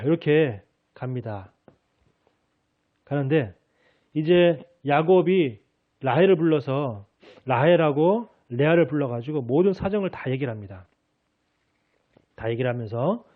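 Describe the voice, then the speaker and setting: A man's voice: on the high side, expressive, measured pace, pauses often. A male pastor preaching a Sunday sermon earnestly, raising his voice as he speaks God's promises. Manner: earnest preaching, acts out God's words in a raised voice. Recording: phone-like narrow sound.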